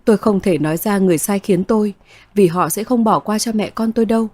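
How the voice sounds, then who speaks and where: A woman's voice: medium pitch, fast talker, a little mellow, dry recording, lightly acted. Woman voicing a pleading young mother. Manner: pleading and apologetic.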